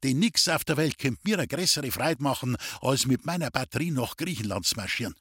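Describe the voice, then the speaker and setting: A man voicing a cheerful young male artilleryman with a Bavarian accent, speaking in a husky, hearty voice. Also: mid-range voice, fairly quick, no room sound, clean studio sound. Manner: hearty, lively dialect speech.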